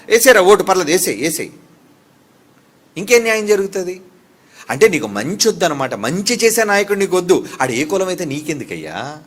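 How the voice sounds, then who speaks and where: High-voiced man preaching a fiery sermon. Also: fairly bright tone. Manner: fiery, fires rhetorical questions at the congregation. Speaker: pastor.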